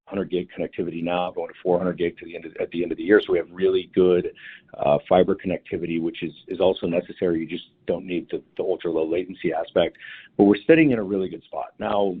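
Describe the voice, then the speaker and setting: A male company executive answering analysts on an earnings call, talking in a halting way with many restarts and fillers. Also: sits low, steady tone, slightly rough. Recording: phone line audio.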